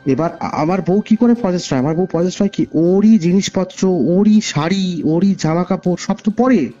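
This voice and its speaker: Earnest higher-pitched man with West Bengal accent. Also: normal speed, mellow. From West Bengal, India. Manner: earnest, repeats phrases for emphasis. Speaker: caller sharing a personal ghost story. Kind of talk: conversational storytelling. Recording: dull lo-fi call recording over music. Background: music.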